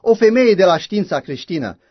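A man's voice: sits high, lively intonation, no echo. A man preaching a sermon in a fervent, emphatic way, with frequent exclamations. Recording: dull lo-fi recording.

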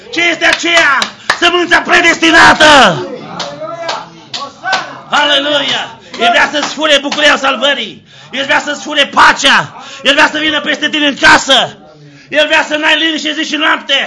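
A man preaching a fiery sermon, shouting exclamations of praise and asking questions he answers himself, dropping now and then into low, quiet passages. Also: background noise. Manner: shouting exclamations of Hallelujah, call-and-response questions. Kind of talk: fiery Pentecostal-style sermon.

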